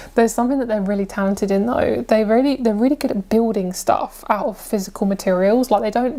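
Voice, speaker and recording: Over noticeable background noise, a woman talks at a very fast pace with hardly any pauses, a fairly high pitch and ordinary pitch variation. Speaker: tarot reader. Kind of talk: tarot reading to camera. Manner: casual, filler-heavy.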